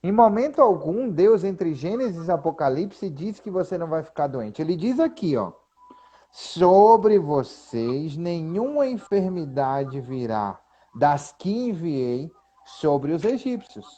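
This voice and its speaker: A man in casual talk about the Bible, animatedly reading scripture aloud slowly and with emphasis. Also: on the high side, very animated, mellow. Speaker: co-host. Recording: dull lo-fi sound.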